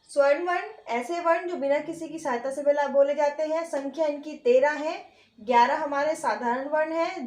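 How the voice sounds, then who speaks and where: A woman's voice: high-pitched, a little mellow, reverberant. A woman teaching a grammar lesson. She asks questions and answers them herself, and she repeats each point patiently. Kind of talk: online Hindi grammar lesson.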